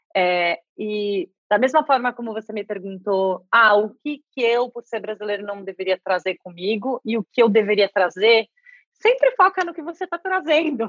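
An ordinary speaking voice moves at a moderate pace with lively intonation and big swings in loudness. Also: woman, fairly high pitch for a woman. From Brazil. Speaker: finance professional. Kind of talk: interview.

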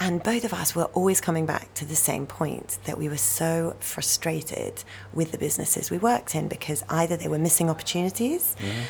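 Her pitch swings very widely, though it sits fairly low for a woman. Noticeable noise runs in the background. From Dubai, UAE (family from Sudan). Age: 40s. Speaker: communications agency co-founder. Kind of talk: interview.

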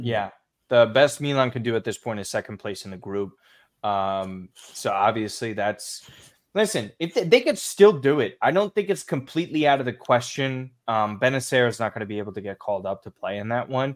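A man's plain, everyday voice at medium pitch, moderate pace and lively intonation, with big swings in loudness, on a very clean recording with a silent background. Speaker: podcast host. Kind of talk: casual chat.

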